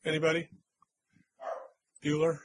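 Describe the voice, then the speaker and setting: A man's voice: fairly high pitch, monotone, a little slow, slightly rough, no room sound. A man hosting a casual game quiz on a podcast, reading clues in a playful, teasing way. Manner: playful, teasing, hums little doot-doot jingles. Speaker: quiz host.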